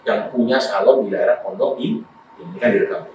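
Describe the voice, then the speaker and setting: A man's voice: fairly low pitch, brisk, mellow, slight background noise. A male pastor from Indonesia preaching a sermon, telling personal stories and often calling out to the congregation. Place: church. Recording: echoey church hall from far off.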